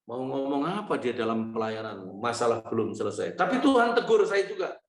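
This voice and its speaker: An older man preaching a sermon as pastor, telling stories in a lively way, quoting dialogue and chuckling often. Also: medium pitch, fairly quick. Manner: animated storytelling with quoted dialogue and chuckles. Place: church or online service hall. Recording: echoey room.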